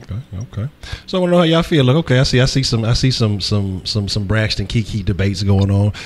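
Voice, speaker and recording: Low-voiced man, slangy hype talk. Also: fast talker. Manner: slangy, repeats phrases, hyping. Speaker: sports talk show host. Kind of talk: casual live sports talk.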